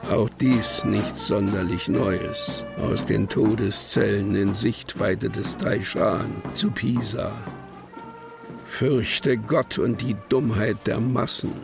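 An actor playing an imprisoned poet in a radio play, reciting solemnly with weighty pauses and a creaky voice. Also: male voice, lowish voice, fairly even intonation, music in the background. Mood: bitter, declamatory. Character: imprisoned male poet, brooding, defiant, incantatory. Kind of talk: German literary radio play, dramatic poetic recitation.

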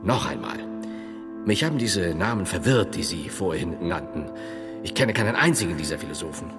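An actor playing a stern medieval monk and thinker in a radio drama, speaking in a solemn, precise, pedantic way. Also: male voice, low voice, lively intonation, normal speed. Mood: grave, reasoning. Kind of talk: theatrical radio drama acting. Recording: long reverberant hall, music underneath.

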